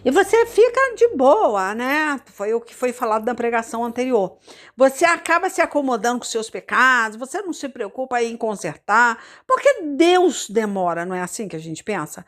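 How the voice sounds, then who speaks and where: A woman preacher with a Carioca accent tells her own testimony in a loose, talkative sermon. Her voice sits a little high, and she keeps repeating words and checking in with her listeners as she goes. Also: big pitch swings, moderate pace, a bit bright. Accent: Carioca Brazilian Portuguese. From Rio de Janeiro, Brazil. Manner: conversational, repeats words, many fillers and asides to the congregation. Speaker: missionary preacher. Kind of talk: informal sermon with personal testimony.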